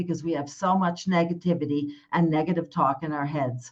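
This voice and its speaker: A woman with a plain, everyday voice, fairly low in pitch, at a fairly slow pace. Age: 60s. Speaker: happiness coach. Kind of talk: interview.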